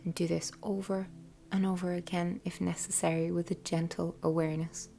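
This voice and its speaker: Soft, low, breathy woman guiding meditation. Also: little pitch movement. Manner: soft, breathy, half-whispered, unhurried delivery. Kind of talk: guided meditation, soothing scripted narration. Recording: soft music bed behind voice. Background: quiet background music.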